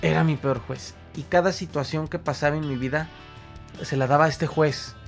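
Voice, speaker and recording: A young man with a Mexican accent telling an emotional personal story to an audience, animated and repeating words for emphasis. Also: fairly high pitch, moderate pace, gravelly, soft background music.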